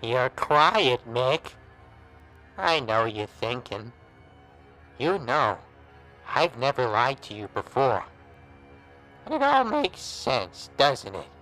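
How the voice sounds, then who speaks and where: A sly, taunting monster who was once somebody's pal, in a horror noir audio drama. He drags his gangster slang out extremely slowly and insinuatingly, over clear background music. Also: mid-range voice, big pitch swings, pushed and bright, exaggerated voice, poor audio. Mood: taunting, ominous. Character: monstrous transformed old pal, sly, taunting, warning creature.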